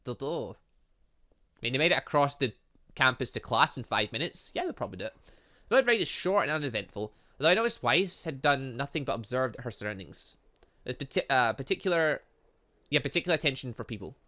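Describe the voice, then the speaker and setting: Animated male gamer reading and commenting. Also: medium pitch, brisk. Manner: joking asides, stumbles over reading. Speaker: gaming video host. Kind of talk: casual commentary and read-aloud of a visual novel.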